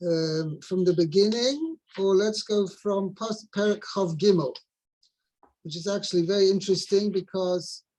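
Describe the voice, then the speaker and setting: A man, a rabbi, explaining the weekly Torah portion over a video call, unhurried, searching for words and mixing in Hebrew terms. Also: sits high, a little mellow, low-quality recording.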